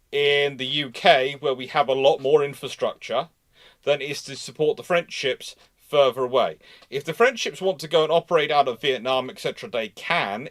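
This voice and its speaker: A man's voice: medium pitch, fairly bright tone. A man hosting a live history discussion, talking off the cuff, putting rhetorical questions and rephrasing his points as he goes. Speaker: host of a live naval history show. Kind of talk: live panel discussion, unscripted explanation.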